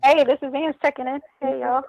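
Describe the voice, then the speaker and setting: A woman's voice: high-pitched, steady tone, fairly quick, vocal fry. A woman calling in to a talk show, her voice muffled as if heard through a wall, hesitant and repeating words as she starts. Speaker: caller. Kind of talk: call-in conversation. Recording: muffled, tinny phone line.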